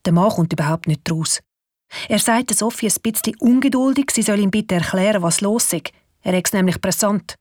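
A woman with a Swiss German accent narrating a children's radio play in a lively, expressive way. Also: medium pitch, a little fast, dry recording, studio quality. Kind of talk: storytelling narration.

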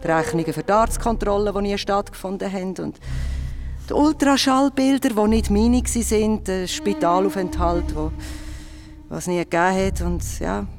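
An actress playing a mother who makes a halting confession. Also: mid-range voice, steady tone, darkish tone, faint music behind, lightly acted.

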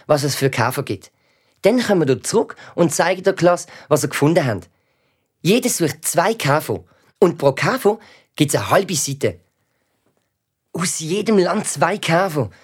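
A slightly rough, expressive, medium-pitched voice at normal speed brings to life a grumpy, mocking schoolboy gamer who narrates a children's audio drama. His mood is sulky, and he grumbles and makes sarcastic jabs at others.

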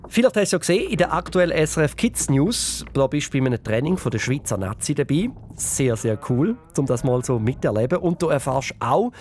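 A quiz host with a Swiss German accent runs a children's radio quiz. The voice is lively and swoops widely in pitch while staying playful and encouraging. Faint noise sits under it.

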